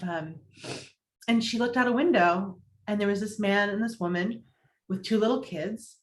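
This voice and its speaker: A woman's voice: mid-range voice, moderate pace, close to an everyday voice. An actress playing Sally's part in a romantic comedy table read, an earnest and particular newly single woman. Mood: earnest, confessional. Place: indoors, virtual video-call table read.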